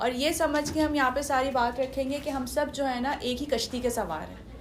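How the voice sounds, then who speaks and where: A woman's high-pitched voice at a moderate pace. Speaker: religious speaker. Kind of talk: informal religious talk to mothers. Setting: in-person gathering with audience. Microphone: no microphone, speaking unamplified.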